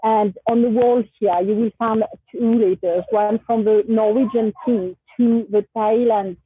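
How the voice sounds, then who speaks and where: A woman from France, a native French speaker with a French accent, telling a casual anecdote in a halting, discursive way. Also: on the high side, steady tone, husky, dry recording. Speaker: session participant. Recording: tinny phone-like line, dry.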